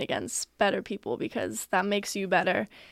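A woman's medium-pitched voice with vocal fry at a moderate pace, dry and close with no echo, in a very clean recording against a silent background. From California. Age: young. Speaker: college volleyball player. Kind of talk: casual interview.

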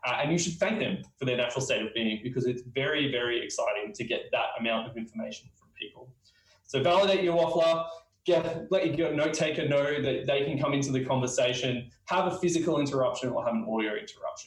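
A man with an Australian accent talks very fast in a fairly high pitch, using lively intonation and big swings in loudness. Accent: Australian, fairly broad. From Queensland, Australia. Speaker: researcher. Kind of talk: conference talk. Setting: online conference presentation.

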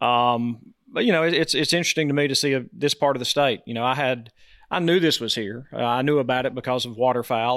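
On a very clean recording with a silent background, a man with an unremarkable speaking voice talks at a fairly quick pace and medium pitch. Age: 40s. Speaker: big game hunter. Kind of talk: casual chat.

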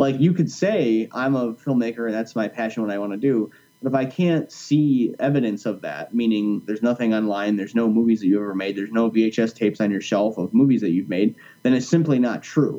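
An ordinary speaking voice from a man with an American accent, medium pitch, ordinary pitch variation and a fairly quick pace. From US Midwest, Detroit. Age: 30s. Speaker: independent filmmaker. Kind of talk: interview.

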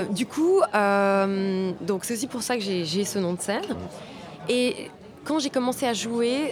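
A woman talks at a fairly slow pace in a fairly high pitch. Music plays in the background. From Switzerland. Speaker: DJ and producer. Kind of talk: interview.

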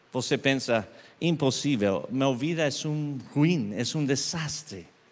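Very slowly and with lively intonation, a man speaks at medium pitch amid audible room echo. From Argentina. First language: Spanish (speaking Portuguese). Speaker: pastor. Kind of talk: sermon. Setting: church. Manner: halting.

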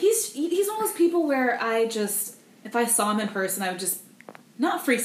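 Over noticeable background noise, a woman speaks at a fairly quick pace with lively intonation and a fairly high pitch. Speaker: comedy podcast host. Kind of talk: casual chat.

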